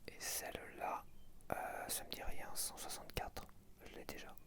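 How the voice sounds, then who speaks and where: A man whispering softly to himself as an ASMR creator, murmuring unhurriedly as he goes through stickers. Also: normal speed.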